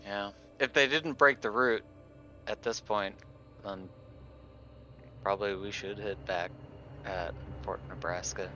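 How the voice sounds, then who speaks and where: A man's voice: lowish voice, fairly even intonation, takes it slowly, long pauses, sharp tone, lo-fi sound, slight background noise. A man playing a tabletop game, speaking in casual, joking banter.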